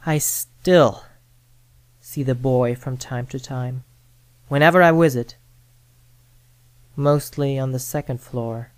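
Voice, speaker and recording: Slow, low-voiced woman telling a scary story. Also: steady tone, dry recording. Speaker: horror story reader. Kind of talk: dramatic first-person scary story narration. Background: background music.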